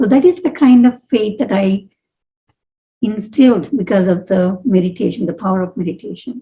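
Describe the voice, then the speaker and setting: A woman speaks at a moderate pace with lively intonation. Her tone is dark and mellow, and somewhat breathy. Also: medium pitch for a woman. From South India. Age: 70s. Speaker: meditation teacher. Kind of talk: spiritual talk.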